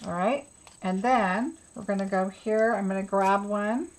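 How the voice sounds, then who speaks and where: In an easygoing, chatty live tutorial, a woman guides a hands-on craft class, narrating each small step almost to herself as she works. Her pitch is an ordinary middle range for a woman, and she takes her time.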